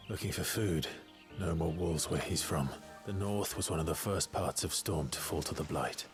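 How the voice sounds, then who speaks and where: An actor as a low-voiced, brooding fighter. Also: male voice, normal speed, soft background music, lightly acted. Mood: somber. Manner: terse, restrained. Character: guarded, terse, brooding young male fighter. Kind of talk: cinematic video game acting.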